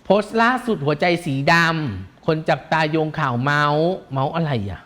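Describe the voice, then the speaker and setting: A man's voice: a little high, sing-song, normal speed, a bit bright. Camp, teasing male gossip host. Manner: teasing, giggly, camp with feminine polite particles. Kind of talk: celebrity gossip chat.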